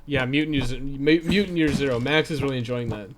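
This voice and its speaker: A man's voice: medium pitch, fast talker, background noise. A man chatting casually and informally, with some swearing, as he livestreams a video game. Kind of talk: casual chat while playing a game. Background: game music.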